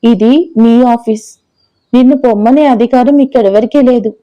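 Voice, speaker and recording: A woman's voice: fairly high pitch, moderate pace, lo-fi sound, lightly acted. A woman voicing an angry young husband and company boss who speaks in a curt, stern way.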